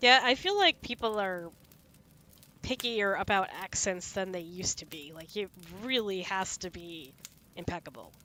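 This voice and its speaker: A woman's voice: mid-range voice, lively intonation, measured pace, sharp tone. A woman chatting casually with her live viewers while sick, rambling and laughing easily. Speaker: streamer.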